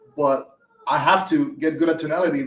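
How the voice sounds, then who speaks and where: A man speaks with a Venezuelan accent. His intonation is lively. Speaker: marketing consultant. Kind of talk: podcast interview.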